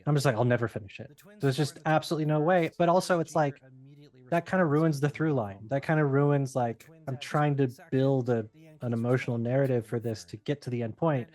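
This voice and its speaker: A man's voice: medium pitch, fairly even intonation, fairly quick, darkish tone. A middle-aged man chatting animatedly as he gives commentary on his own film. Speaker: filmmaker giving director's commentary. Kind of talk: casual commentary chat.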